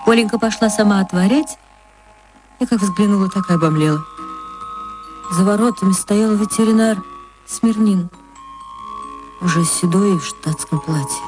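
A woman narrating a literary radio play in a measured, expressive way. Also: mid-range voice, music in the background.

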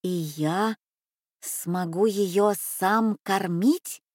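A woman voicing an excitable, anxious young boy in a children's storybook reading, pleading and stammering. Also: medium pitch, very slow, dry recording, clean studio sound. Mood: excited.

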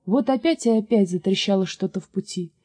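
A woman reads a fairy tale aloud, calm and measured. Her voice sits in a middle range. The sound is dry and close. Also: mid-range voice, no echo. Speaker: storyteller.

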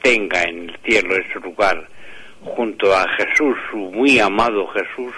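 A priest talks in a radio interview with a low, husky voice. He unfolds his tale very slowly, full of fillers and restarted phrases. The sound is that of a radio broadcast. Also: pushed and bright, rough recording. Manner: slow, hesitant, with many restarts and fillers. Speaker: author and priest, interview guest.

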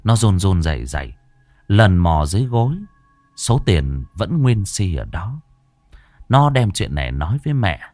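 Guy narrating a spooky story, lowish voice, very dramatic, dry sound. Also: very animated, unhurried, a little mellow, no room sound, faint music behind. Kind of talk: scripted horror narration.

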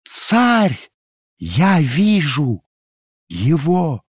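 A man's voice: mid-range voice, mellow, no echo, clean studio sound, natural voice. A man reading aloud and voicing a dying young woman who rises into frenzied, wailing curses. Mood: ecstatic. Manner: wailing, cursing, drawn-out.

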